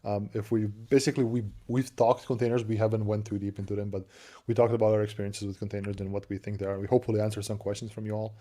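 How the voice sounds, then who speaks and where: A low-voiced man with a Serbian accent co-hosts a tech stream in loose, chatty English. His tone is mellow and warm, and he stumbles and repeats words while searching for phrasing, laughing often between thoughts. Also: flat delivery, fast talker. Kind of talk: casual tech chat.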